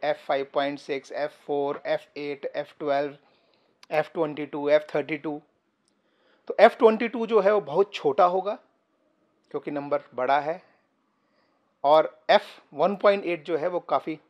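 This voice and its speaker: A man with a voice a little higher than most gives a patient photography lesson straight to the camera. He explains one idea at a time, pausing often and filling gaps with short hesitations. He sits indoors on a sofa, picked up by a camera a few feet away. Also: lo-fi sound. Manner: patient, step-by-step explaining with frequent pauses and fillers. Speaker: photography teacher. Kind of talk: casual explainer tutorial to camera. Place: indoor room, seated on a sofa. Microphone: camera about three feet away.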